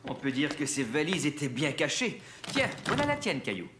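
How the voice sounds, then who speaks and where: A man's voice: a little high, wildly swooping pitch, normal speed, background noise. An actor playing a helpful, cheerful young father in a children's cartoon.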